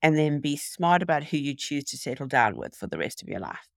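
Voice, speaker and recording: Woman, South African accent, low register, reflective conversational interviewee, dry recording. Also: sing-song, brisk, vocal fry, no echo. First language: Afrikaans. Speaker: interview guest, nurse.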